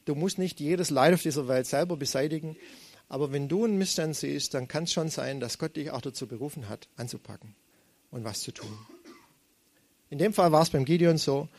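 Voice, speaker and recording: Lively preacher, dry sound. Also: male voice, fairly high pitch, a little fast, no room sound. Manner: conversational, animated, acts out quoted voices. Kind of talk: sermon.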